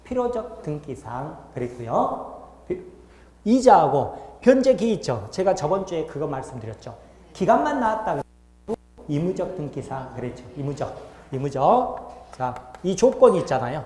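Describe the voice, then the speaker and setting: A man's voice: a little high, sing-song, moderate pace, warm tone. A man teaching a law class, explaining step by step and often checking in with the students. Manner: asks the class frequent check-in questions. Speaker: law lecturer. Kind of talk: classroom lecture. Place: lecture hall. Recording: roomy echoey lecture hall.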